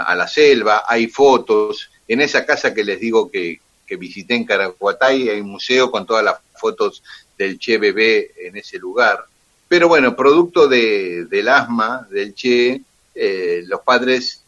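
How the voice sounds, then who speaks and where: A man's voice: lowish voice, lo-fi sound. A man with an Argentine accent, a radio guest telling history in detail with frequent fillers. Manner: detailed, steady, with "eh" and "este" fillers. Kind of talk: storytelling on radio.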